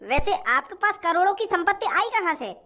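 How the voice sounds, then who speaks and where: Eager male news reporter, squeaky and gushing, as a man voices him. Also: animated, brisk, sharp tone, full character voice. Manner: gushing interviewer.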